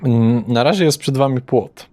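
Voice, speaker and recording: A man's voice: medium pitch, normal speed, mellow, no room sound. A man as game master, describing scenes loosely with fillers and self-corrections, on a home mic. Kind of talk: narrating a tabletop game.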